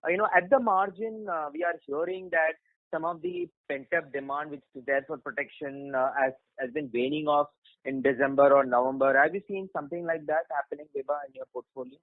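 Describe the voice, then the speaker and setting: A man's voice: a little high, fairly quick, dry recording. A man with an Indian accent asks spontaneous questions as a financial analyst on a conference call. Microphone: phone. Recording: dry, narrow phone line.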